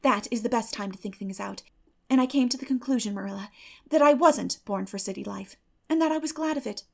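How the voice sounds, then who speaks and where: Woman voicing a gushing, high-pitched dreamy young girl. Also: fairly quick. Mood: earnest, chatty. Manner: gushing, dramatic, breathy in rapture. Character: excitable, earnest, dreamy orphan girl.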